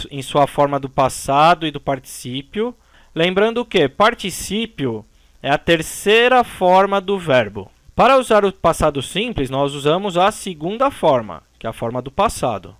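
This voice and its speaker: A man's voice: fairly high pitch, no room sound. A man teaching an English grammar lesson, explaining the rules step by step and often checking in with his students.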